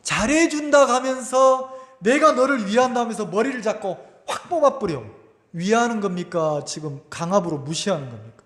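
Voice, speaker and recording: A male pastor preaching a sermon, animated, often asking the congregation questions. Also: sits high, normal speed. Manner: animated, asks the congregation questions, acts out quotes. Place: church sanctuary. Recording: reverberant church hall.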